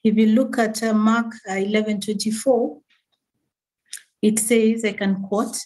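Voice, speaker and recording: A woman's voice: medium pitch, level tone, measured pace, darkish tone, rough recording. Hesitant woman giving blessings. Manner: hesitant, many fillers, preacher-like blessings. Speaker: SACCO CEO addressing members remotely. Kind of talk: formal speech with prayers. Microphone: remote link into the meeting.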